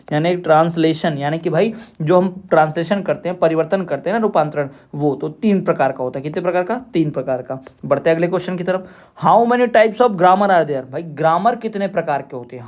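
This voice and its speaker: A man teaching an exam-prep lesson from his coaching class, reading English questions slowly and then explaining each one and repeating the answers. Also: sits high, a little mellow.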